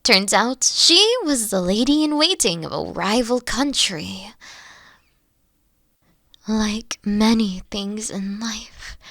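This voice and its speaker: A woman playing a mature-seeming young queen in a roleplay audio drama, tender and teasing, soft-spoken and often slipping into breathy whispers. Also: mid-range voice, animated, slow, no room sound, clean studio sound. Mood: wistful. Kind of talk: scripted roleplay audio drama, intimate one-on-one.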